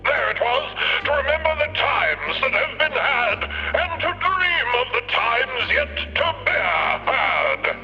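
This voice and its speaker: An actor playing a pompous, doddering timekeeper count who gives halting, drawn-out ceremonial oratory in an audio drama. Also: male voice, very high-pitched, very animated, highs cut off, full character voice. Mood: grandly solemn. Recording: band-limited old radio broadcast over music.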